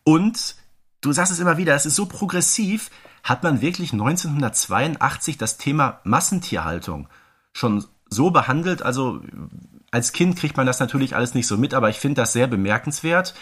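A man's voice: mid-range voice, animated, normal speed, a bit bright, breathy edge. A man co-hosting a casual fan podcast, chatty and given to playful asides. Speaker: podcast co-host.

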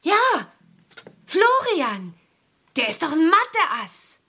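An actress playing a bold, blunt, excitable teenage witch girl in a children's audio drama, with an emphatic, expressive delivery. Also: very high-pitched, extremely slow, exaggerated voice. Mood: insistent, brisk.

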